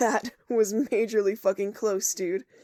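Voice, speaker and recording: Using a put-on character voice, a woman speaks raspy and at a medium pitch, at a fairly slow pace. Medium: read story. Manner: laid-back, impassive.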